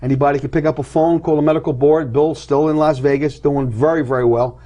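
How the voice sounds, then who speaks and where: A man's voice: a little high, fairly even intonation, fast, warm tone. A middle-aged man, a guest on a TV talk show, telling an emotional personal story and acting out what each person said. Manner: dramatic, acts out each person's lines in the retelling. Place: TV studio.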